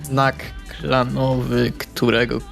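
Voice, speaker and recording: A man with a gravelly, creaky voice speaks in character during a tabletop game. His delivery is flat and hesitant, with self-corrections, and music plays behind him. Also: mid-range voice, slow pace. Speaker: tabletop RPG player. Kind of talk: casual in-character roleplay.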